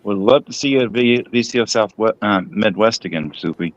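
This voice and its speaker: Stream guest on phone video: a man with a low voice, muffled lo-fi audio, hesitant and casual. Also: a little fast. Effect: joining by phone video stream. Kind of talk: casual chat.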